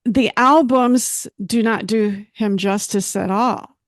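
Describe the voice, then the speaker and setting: Woman music interviewer, chatty and excited, laughs a lot, dry close mic. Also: mid-range voice, takes it slowly, no echo. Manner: chatty, enthusiastic, laughs easily. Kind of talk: casual interview.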